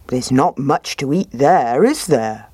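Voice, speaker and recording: A woman doing a slow, cheerful brown bear. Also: a bass voice, animated, dark tone, husky, dry recording, full character voice. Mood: obliging. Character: lazy, good-natured male brown bear.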